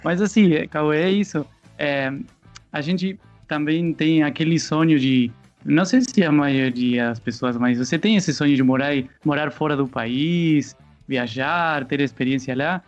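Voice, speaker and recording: A man's voice: a little high, a little slow. A slightly muffled recording of a man with an Argentine accent, a native Spanish speaker. He co-hosts casually, hesitating as he looks for words, while faint guitar music plays behind him. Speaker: podcast co-host. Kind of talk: casual podcast talk.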